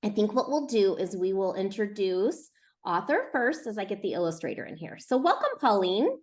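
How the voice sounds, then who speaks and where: A woman's voice: mid-range voice, very animated, moderate pace. A woman hosting a live online book event as a publisher, giving instructions to children and teachers. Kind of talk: addressing classrooms on a live call. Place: live video call.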